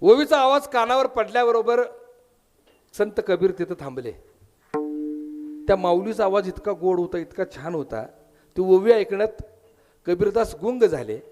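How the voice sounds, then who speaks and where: A man's voice: high-pitched, animated, moderate pace, long pauses, darkish tone, soft background music. A man with a Marathi accent preaching a devotional kirtan sermon, telling a story, voicing its characters and breaking into sung verses. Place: temple hall with audience.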